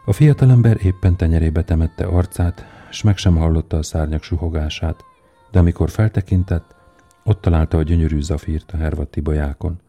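A man narrating a fairy tale in a calm, measured storytelling way. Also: very deep voice.

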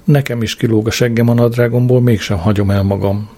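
A man's voice: mid-range voice, steady tone, warm tone, lightly acted. A man voicing a blunt, coarse old man. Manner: blunt, gruff.

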